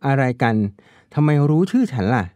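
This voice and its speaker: A man voicing a young woman on the phone whose soft, polite tone keeps a wary edge. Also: medium pitch, huge pitch swings, brisk, dry recording. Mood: indignant. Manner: soft voice turning sharp and wary.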